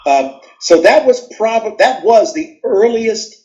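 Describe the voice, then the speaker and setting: A man's voice: high voice, takes it slowly, muffled recording. A man from New York with a New York accent, telling stories from his childhood as an interview guest and acting out scenes as he goes. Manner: animated storyteller, acts out scenes. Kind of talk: storytelling interview answers.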